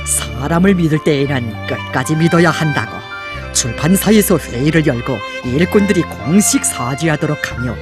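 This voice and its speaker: A woman with a North Korean accent delivering solemn scripted propaganda narration. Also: deep voice. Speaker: documentary narrator. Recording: music behind the narration.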